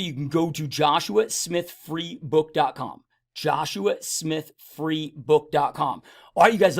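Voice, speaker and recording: A man with a fairly high-pitched voice hosts a podcast interview. He talks casually and informally, with slang and a chummy, buddy-like way of addressing people. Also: gravelly. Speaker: podcast host.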